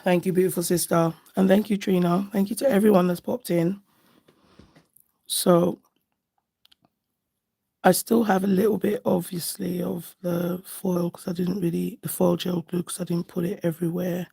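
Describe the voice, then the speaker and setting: A slightly hoarse woman chatting casually and affectionately on a live nail art stream, often thinking aloud as she works. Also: lowish voice, level tone, normal speed, warm tone. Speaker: nail art livestream host. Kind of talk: casual live chat while doing nails.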